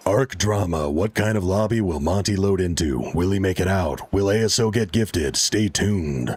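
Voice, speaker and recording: A put-on character voice moves at a moderate pace with ordinary pitch variation. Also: man, very deep, low pitch for a man. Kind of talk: announcer. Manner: dramatic, promotional.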